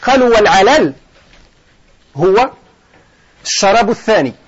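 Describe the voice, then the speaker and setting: A man's voice: sits high, sing-song, moderate pace, highs cut off. A man teaching a lesson on verb forms, who questions his students and answers himself. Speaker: sheikh teaching Arabic morphology. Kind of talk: classroom lesson explaining a grammar poem.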